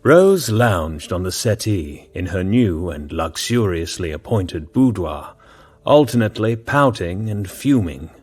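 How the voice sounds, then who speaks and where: A man narrating an audio drama in a measured storytelling manner. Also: low voice, very animated, darkish tone, slightly rough, soft background music.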